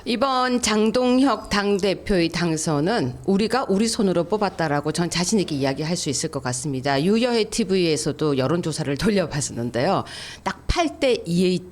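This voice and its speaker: A woman's voice: fairly low pitch, animated, moderate pace, hardly any pauses. A woman in her fifties speaking fervently on a political panel, in a speechlike way. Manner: fervent, speechlike, stumbles over names with laughing slips. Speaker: professor and political YouTuber.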